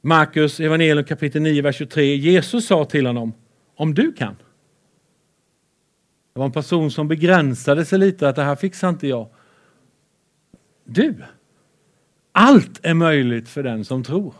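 A man preaching a lively sermon with Bible readings, excitable and playful, swinging between loud and soft. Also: a little high, long pauses.

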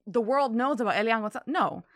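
A woman's voice: on the high side, quick pace, dry recording, clean studio sound. A woman from Miami in her thirties with an American accent, telling her story casually as an interview guest. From Miami, Florida.

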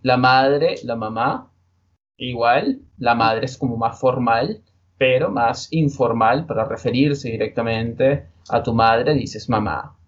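A man's voice: mid-range voice, slow, lo-fi sound. Venezuelan man in his twenties. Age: 20s. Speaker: guest, Spanish teacher. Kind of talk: podcast interview.

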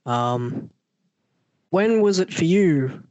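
Friendly podcast host, dry close sound. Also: male voice, a little high, animated, very slow, darkish tone, dry recording, dull audio. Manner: friendly, asks stacked questions, says man and yeah a lot. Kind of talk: casual podcast interview.

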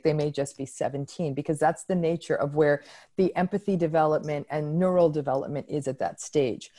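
Woman, low warm voice, expert interview guest, candid and articulate. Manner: articulate, frank, lively emphasis. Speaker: psychologist guest. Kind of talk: interview answer.

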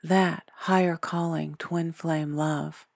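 A woman leading a guided meditation in a soothing, deliberate way, pausing often between short phrases. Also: low voice, fairly even intonation, gravelly, no room sound, studio quality. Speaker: meditation guide, podcast host. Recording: background music. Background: soft instrumental music.

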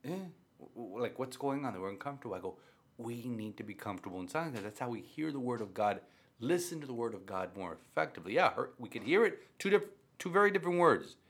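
A man's voice: mid-range voice, expressive, quick pace, a bit bright, husky. A man who is a Catholic priest and grew up speaking Spanish, talking conversationally about faith and repeating phrases for emphasis. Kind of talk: conversational religious talk.

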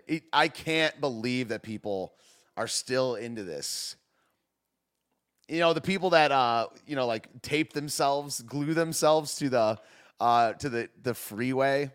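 Man with a slight lisp, lively. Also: on the high side, clear, resonant tone. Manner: rambling and scoffing, full of "dude" and "man". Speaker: streamer host. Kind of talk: casual reaction commentary.

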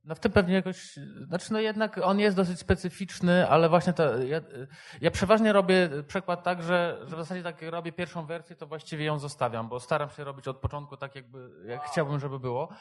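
Hesitant, higher-voiced male translator. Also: steady tone, a little fast. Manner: hesitant, with frequent tag questions and restarts. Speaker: literary translator. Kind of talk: discussion panel talk.

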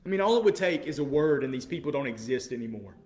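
A man preaching a sermon with passion, moving between quiet, measured passages and loud, incredulous outbursts. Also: mid-range voice, animated. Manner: impassioned, swings from quiet to loud exclamation.

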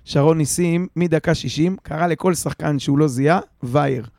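A man's voice: on the high side, fairly even intonation, a little mellow, no echo, studio quality. A man on a podcast panel in casual football fan banter, joking and retelling what others said.

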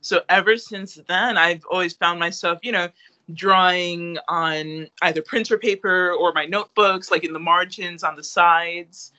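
A man's voice: sits high, steady tone, measured pace, pushed and bright, lo-fi sound. A young man chatting in an interview, rambling with many fillers and restarts. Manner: rambling, lots of fillers and restarts, laughs easily. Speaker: interviewee, artist. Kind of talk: casual interview chat.

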